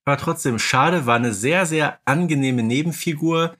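A podcast co-host whose pronunciation places him in North Rhine-Westphalia, Germany, muses and explains things as he goes in a casual way. His voice is on the high side and a bit bright, at a moderate pace.

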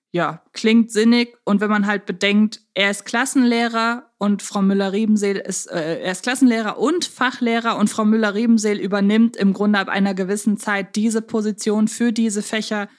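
A woman's voice: mid-range voice, steady tone, moderate pace. Woman co-hosting a casual podcast. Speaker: podcast co-host.

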